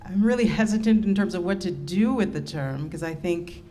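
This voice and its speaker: A woman's voice: lowish voice, animated, moderate pace, warm tone. A woman from the United States with an American accent, speaking as a guest on a live podcast panel, chatty and often laughing.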